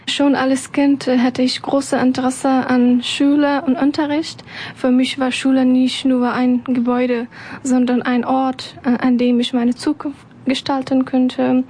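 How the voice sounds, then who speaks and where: A woman's voice: high-pitched, flat delivery, unhurried, darkish tone. A woman from Afghanistan giving a prepared account of her childhood in a small studio, careful and hesitant, with many fillers. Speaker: interviewee.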